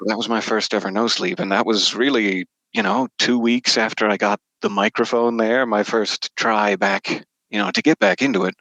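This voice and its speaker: Bright, forceful-voiced man chatting. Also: lowish voice, animated, normal speed, gravelly, few pauses, no room sound, low-quality recording. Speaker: podcast guest, horror narrator and voice actor. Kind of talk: casual interview chat.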